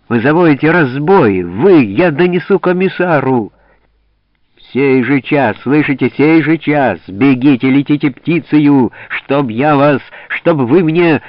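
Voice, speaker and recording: A man's voice: medium pitch, no echo, highs cut off, lightly acted. A man reading an audiobook voices a pompous, blustering old village head barking orders.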